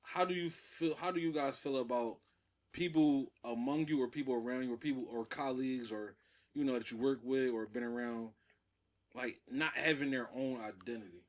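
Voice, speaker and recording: A man's voice: medium pitch, normal speed. A man speaking African American English, hosting a casual podcast discussion and putting questions to the group. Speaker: podcast host posing questions.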